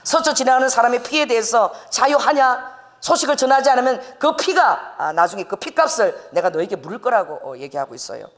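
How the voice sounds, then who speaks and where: A middle-aged woman pastor preaching a sermon, animated, acting out the voices she quotes and laughing as she goes. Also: a little high, brisk.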